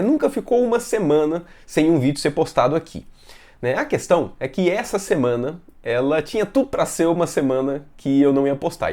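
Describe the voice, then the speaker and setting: Casting: Brazilian male video host, slightly high voice, under the weather with sore throat, casual, halting delivery. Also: darkish tone. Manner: repeatedly adds "né" tags, halting. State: sick with fever and sore throat. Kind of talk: casual talk to camera.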